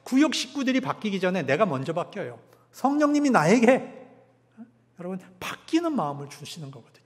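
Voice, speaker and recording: A male pastor preaching a sermon, emphatic, swinging from loud peaks to hushed drops. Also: high-pitched, sing-song, a little fast. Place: church sanctuary. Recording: long church hall reverb.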